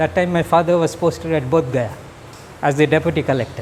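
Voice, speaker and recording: Noticeable background noise accompanies a man with a high pitch who speaks at a moderate pace with lively intonation. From India, Bihar (Patna). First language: Magahi. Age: 40s. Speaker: activist speaker. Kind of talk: public speech.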